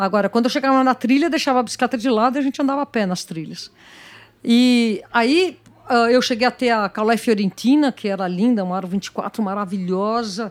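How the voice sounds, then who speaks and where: A plain, everyday voice, fairly quick in pace and ordinary in pitch variation. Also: woman, fairly high pitch for a woman. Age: 60s. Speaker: cycling activist and video reporter. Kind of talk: interview.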